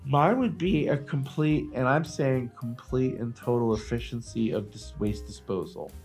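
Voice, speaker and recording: A man's voice: medium pitch, moderate pace, darkish tone, soft background music. A man co-hosting a casual comedy podcast, joking crudely and teasing his friend. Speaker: podcast co-host.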